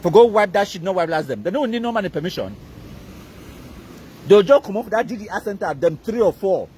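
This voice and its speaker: A man's voice: high voice, lively intonation, brisk, a little mellow, a little hiss or hum. A Cameroonian man with a Cameroonian accent, giving an emphatic, repetitive live-stream rant that mixes pidgin and English.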